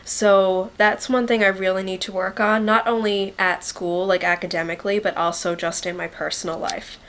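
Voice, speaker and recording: Young woman with a stuffy head cold. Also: medium pitch. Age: young adult. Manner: chatty and rambling, with frequent likes and ums; shy and quiet by nature. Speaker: beauty vlogger. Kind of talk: casual chat to camera.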